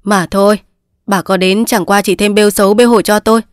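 A woman's voice: mid-range voice, fairly even intonation, a little fast, no echo, lightly acted. A woman reading the part of a proud young official son who speaks curtly and dismissively, in a dry recording. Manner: curt, dismissive.

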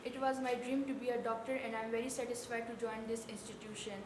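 A woman's voice: flat delivery, quick pace. A young woman with a Pakistani accent giving a scripted student testimonial. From Khyber Pakhtunkhwa, Pakistan. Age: young adult. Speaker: medical student. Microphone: lapel. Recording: echoey, noisy room with rumble.

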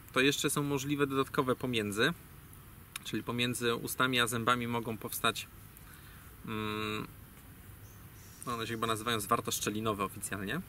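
A man's voice: medium pitch, pushed and bright. A man giving a rambling, digressive explanation in casual talk, full of fillers and self-corrections. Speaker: guest speaker on language origins. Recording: distant mic, faint ambient noise.

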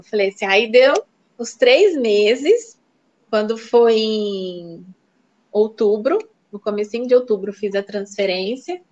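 A woman guest telling her own story in a casual chat, animated and acting out the voices of people she quotes, on a dull lo-fi recording. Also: on the high side. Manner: animated, acts out quoted dialogue. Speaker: interview guest sharing her fertility story.

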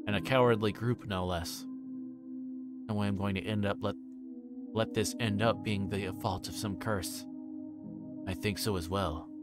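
A man livestreaming a visual novel, moving between quiet reading aloud and halting, casual chat. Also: low-pitched. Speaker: livestreamer playing games.

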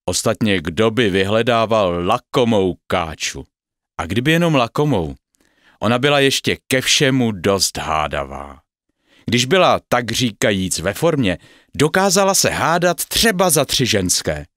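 A man's voice: lowish voice, dry recording, clean studio sound. A man narrating a bedtime fairy tale, speaking directly to the children listening. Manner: lively, addressing children directly. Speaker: storyteller.

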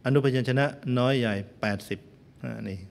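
A man's voice: mid-range voice, moderate pace, creaky, darkish tone. A man, a Buddhist monk, giving a sermon that retells an old story, with playful joking asides to his listeners. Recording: long hall reverb.

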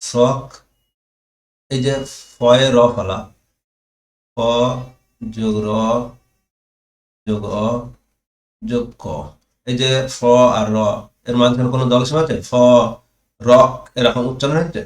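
A man teaching a grammar lesson online, giving definitions slowly word by word and stressing key terms. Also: medium pitch. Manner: slow, stressed dictation of definitions. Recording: echoey room.

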